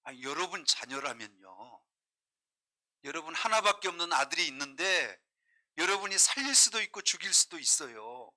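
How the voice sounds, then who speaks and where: A male pastor preaching a sermon, emphatic and full of questions to the congregation, often dropping to a hush and then rising again. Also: fairly high pitch, sing-song, moderate pace. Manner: emphatic preaching, questioning the congregation, swinging between loud and hushed.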